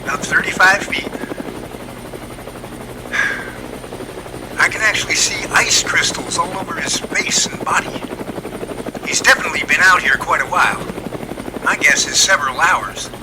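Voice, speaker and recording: A man's voice: fairly high pitch, fairly quick, close to an everyday voice. A man playing an emotional helicopter rescue crewman on a rope in an amateur audio drama, talkative and earnest. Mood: strained, focused. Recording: loud helicopter and engine noise.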